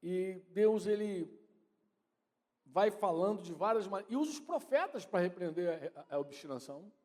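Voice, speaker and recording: Speaking at a moderate pace, this pastor sounds expressive, with a high and slightly mellow voice. His Brazilian Portuguese accent comes through as he preaches conversationally, repeatedly speaking to his wife and congregation, while the church hall adds a long reverb tail.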